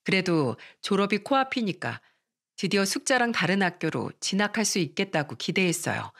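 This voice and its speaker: Lively woman narrating a story. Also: mid-range voice, moderate pace. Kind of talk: scripted first-person story narration.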